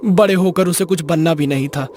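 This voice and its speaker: A man's voice: on the high side, brisk, darkish tone, a little hiss or hum, lightly acted. A man voicing a curious, joking boy in casual cartoon story dialogue. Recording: music behind the voice.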